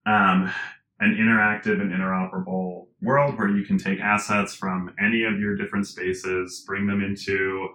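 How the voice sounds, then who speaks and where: Interview guest, male, low but bright tone, talks loosely with fillers and laughs. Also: normal speed, rough recording. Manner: animated, rambling with fillers and restarts; laughs often. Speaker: interview guest, tech founder. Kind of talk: casual conversational interview.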